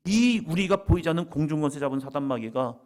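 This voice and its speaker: A middle-aged man preaching a sermon at a church worship service, alternating loud emphatic declarations with hushed whispers and acting out quoted prayers. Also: a little high, lively intonation, quick pace. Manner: acts out quoted prayers and voices of others. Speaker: pastor.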